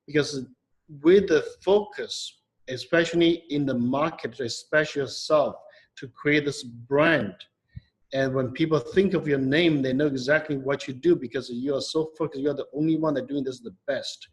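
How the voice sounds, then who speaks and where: A man, a company co-founder, giving thoughtful, measured interview answers with frequent pauses and restarts. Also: on the high side, low-quality recording.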